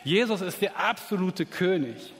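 A man preaches a sermon in a somewhat high voice, leaning hard on key words and climbing to excited peaks before dropping low again. The long reverb of a church hall rings around every phrase. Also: moderate pace. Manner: emphatic, rising to excited peaks.

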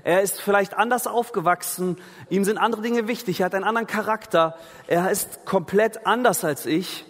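A man's voice: high-pitched, moderate pace, fairly bright tone, in a large hall. A man preaching a sermon in an earnest, conversational way, asking the listeners questions. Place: free church hall.

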